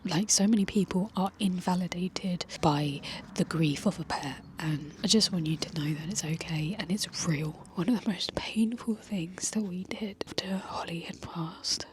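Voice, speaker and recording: A woman whispering softly and tenderly as she talks to her viewers, recorded outdoors in a garden. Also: fairly low pitch, moderate pace, a little hiss or hum. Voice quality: soft unvoiced whisper. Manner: gentle, tender, reflective. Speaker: video creator. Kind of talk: whispered ASMR-style personal talk. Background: faint outdoor ambience with bees.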